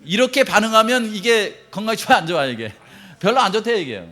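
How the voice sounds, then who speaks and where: Animated Korean pastor, high lively voice. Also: male voice, fairly quick. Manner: animated, acts out quoted reactions, laughs often. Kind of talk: sermon.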